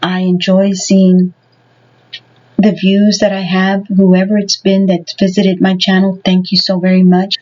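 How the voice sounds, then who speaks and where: A woman at a middle pitch gives a relaxed tarot reading straight to her viewers. She rambles along and leans on "you know" between thoughts. The sound is dull and lo-fi, like a simple home recording. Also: unhurried, a little hiss or hum. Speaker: tarot reader.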